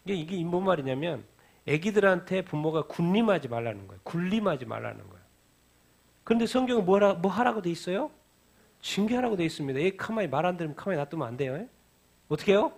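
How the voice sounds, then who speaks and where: Male pastor, middle-aged, gravelly and a touch high; question-and-answer sermon style, repeats his points. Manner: asks the congregation questions and answers them himself; repeats key phrases for emphasis. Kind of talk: midweek Bible-reading sermon. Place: church sanctuary.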